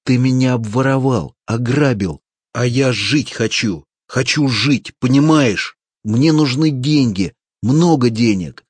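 A man voicing a greedy, fat male street photographer who screams in a shrill, frantic way in an audiobook. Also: measured pace, few pauses, a little mellow, slightly rough, dry recording. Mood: furious.

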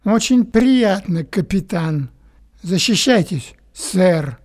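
Seeking a pompous, mannered English gentleman in an audio play, grand and unhurried. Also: high-pitched, expressive, exaggerated voice. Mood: haughty, challenging. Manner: pompous, very imposing, mannered delivery. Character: haughty, pompous English gentleman in top hat and monocle. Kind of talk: theatrical audio play acting.

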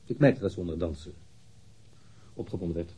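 A man's voice: low voice, a little fast, warm tone, husky. An actor playing a guarded, reluctant engineer in his thirties being questioned in a radio drama, answering curtly and somewhat irritably. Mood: irritated. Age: 30s.

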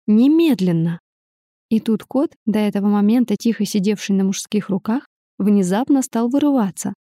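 A woman's voice: mid-range voice, a little fast, mellow, no echo, clean studio sound. Woman narrating a first-person audiobook.

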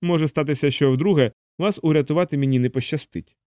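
A man's voice: fairly high pitch, fast, dark tone, no echo, clean studio sound, pitched above the performer's own voice, close to an everyday voice. A man voicing a fussy male alien helper who lectures at length, in an audiobook. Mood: lecturing. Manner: didactic, explaining at length. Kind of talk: audiobook character voice.

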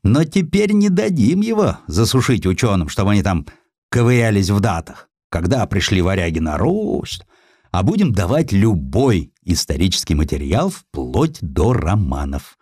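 A man's voice: fairly low pitch, sing-song, moderate pace, darkish tone, breathy edge, no echo, studio quality. Sly, scornful old-time press baron, voiced by a male reader, hearty, swooping intonation, audiobook drama. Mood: scheming, hearty. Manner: hearty, dismissive, juicy delivery. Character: sly, blustering male newspaper publisher, coarse and scornful.

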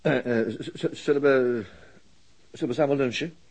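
An actor playing an awkward, hesitant police detective in a radio play, stammering. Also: male voice, medium pitch, moderate pace, a little mellow, close to an everyday voice.

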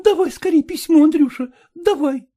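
A woman's voice: very high-pitched, expressive, normal speed, dark tone. A woman playing an impatient peasant girl. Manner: pleading, pressing, folk speech. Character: impatient young peasant woman, eager and fretful.

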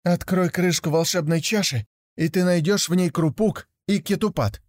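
A man voicing an eager young village boy who talks in an excited, proud way. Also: on the high side, fairly quick, no room sound, clean studio sound, pitched above the performer's own voice, lightly acted.

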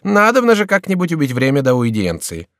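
Man doing a teasing young courtier, high and lively. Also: a little fast, dry recording, clean studio sound, heavily acted. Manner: playful, bright and drawn out. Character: young male courtier, idle and mocking.

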